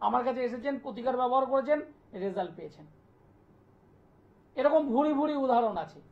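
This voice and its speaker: A man, an astrologer hosting a live TV call-in show, delivering an insistent, repetitive pitch and taking callers' details. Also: animated, fairly quick. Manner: insistent, repetitive sales pitch, listing place names. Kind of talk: live TV promotional talk and phone call-in. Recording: dull lo-fi broadcast sound.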